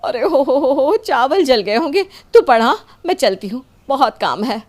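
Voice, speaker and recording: A woman's voice: sits high, big pitch swings, moderate pace, a little mellow. A woman playing a chatty, nosy sister-in-law, a busy housewife in a story. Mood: flustered.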